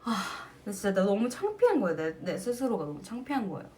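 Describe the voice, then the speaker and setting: A woman's voice: medium pitch, quick pace. A woman singer casually chatting with her fans on a livestream, telling stories with frequent laughter, recorded on a phone mic. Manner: animated storytelling, often breaking into laughter. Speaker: singer hosting a fan livestream.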